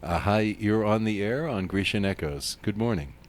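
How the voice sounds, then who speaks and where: A man's voice: on the low side, moderate pace. A man hosting a live call-in radio show, chatting in a friendly way and laughing often. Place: radio studio.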